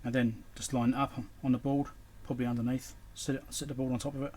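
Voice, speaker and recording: A man's voice: mid-range voice, flat delivery, fast. Man muttering at a noisy workbench. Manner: muttering to himself while working, in short broken phrases. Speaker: electronics repair hobbyist and video host. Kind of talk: casual unscripted workbench commentary.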